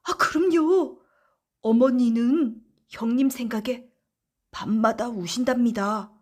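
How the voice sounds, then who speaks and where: A woman's voice: on the high side, takes it slowly, a little mellow. A woman voicing a kind, timid young male woodcutter, earnest and deferential, in a children's folktale audiobook. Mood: pleading, earnest. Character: kind young male woodcutter, devoted son, timid but quick-witted.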